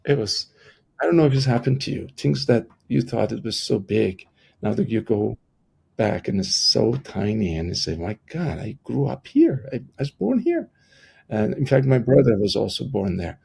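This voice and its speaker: A middle-aged man with an Iranian accent speaks in a husky voice full of creak. He is a guest in an interview, sharing personal stories in a reflective, conversational way. His English is that of a Persian speaker. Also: mid-range voice, sing-song, moderate pace, a little mellow. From Iran. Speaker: podcast guest, transformational coach.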